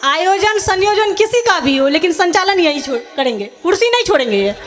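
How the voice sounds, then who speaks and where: A woman's voice: very high voice, sing-song, brisk. A woman poet from Bihar bantering on an outdoor stage, firing witty comebacks at the host into a stage mic. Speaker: poet performing at a poetry gathering. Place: outdoor stage before a crowd. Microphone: stage microphone.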